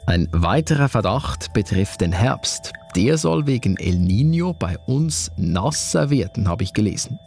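Guy hosting a news podcast, bit of vocal fry, lowish voice, scripted but chatty. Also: big pitch swings, a little slow, hardly any pauses, a little mellow, faint music behind. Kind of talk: scripted conversational narration.

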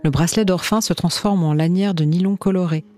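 A woman radio reporter narrating a scripted portrait in a calm, measured storytelling manner. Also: fairly low pitch, faint music behind.

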